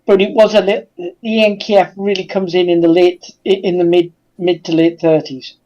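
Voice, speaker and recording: A man's voice: high-pitched, little pitch movement, fairly quick, mellow. A man speaking as a guest researcher in a casual, unscripted discussion, over dull call audio.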